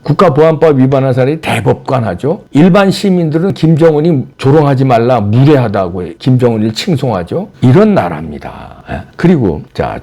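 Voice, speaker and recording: A man's voice: mid-range voice, dark tone. A man hosting a solo political commentary, combative and mocking, firing off rhetorical questions. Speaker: political commentary channel host.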